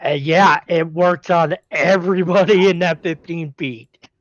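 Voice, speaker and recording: A man's voice: on the high side, fairly even intonation, a little slow. A man playing a tabletop role-playing game, talking casually about rules and dice rolls. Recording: slightly muffled lo-fi mic.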